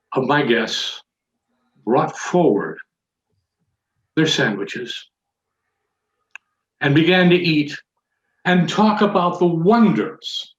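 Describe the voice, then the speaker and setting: Slow, theatrical man in an echoey room. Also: a little high. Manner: dramatic pauses, deliberate phrasing, mock-serious delivery. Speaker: Toastmasters contest speaker telling a tall tale. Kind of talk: theatrical comic storytelling speech. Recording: echoey room, dull muffled audio.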